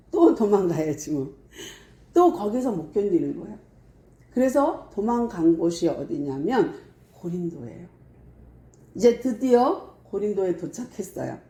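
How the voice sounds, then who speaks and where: Woman pastor, lively storytelling sermon, mellow tone, echoey room. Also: medium pitch. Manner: lively storytelling, acting out scenes.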